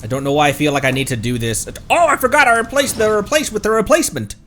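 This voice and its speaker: A man streaming a game, talking casually to viewers in an animated, rambling way and muttering to himself. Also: high-pitched, fast talker, a little hiss or hum. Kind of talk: casual livestream gaming chat with viewers.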